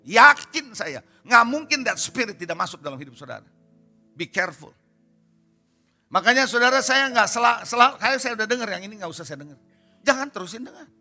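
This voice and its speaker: A man's voice: very high-pitched, very animated, fairly quick, sharp tone, faint music behind. A man pastor preaching a sermon at a church service, emphatic and repeatedly putting rhetorical questions to the congregation.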